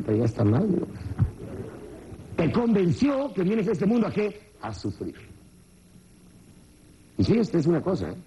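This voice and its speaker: Man lecturing a seminar crowd, lively pitch swings, joking, question after question, mellow tone. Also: slight background noise, low-quality recording. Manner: animated, joking, constantly questioning the audience. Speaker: motivational seminar speaker. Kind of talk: live seminar talk with audience questions. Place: seminar room with a live audience.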